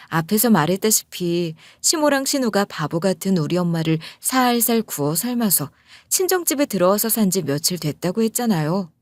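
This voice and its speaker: A woman's voice: medium pitch, no echo. A woman narrating a personal story in a confiding, conversational manner.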